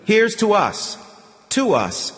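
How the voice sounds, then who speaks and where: A man's voice: high-pitched, wildly swooping pitch, slow pace, big-room sound, voice pushed up, exaggerated voice. A man voicing a drunk, boastful fascist who is jovially chummy.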